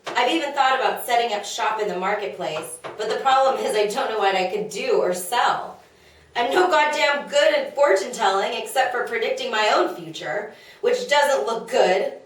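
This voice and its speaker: Woman as put-upon comic wife, griping and unsure of herself, slightly high voice, distant in a very reverberant room. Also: moderate pace, close to an everyday voice. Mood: worried. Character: exasperated, henpecking young-to-middle-aged wife of Socrates, insecure. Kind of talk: comedic play table read. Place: echoey room, away from mic. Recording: very echoey room, distant mic.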